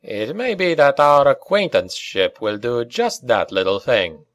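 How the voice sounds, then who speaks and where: A man voicing a calm, wry Scottish mercenary with a lilting burr in an audiobook. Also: mid-range voice, measured pace, dry recording, pitched above the performer's own voice. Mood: wary, thoughtful.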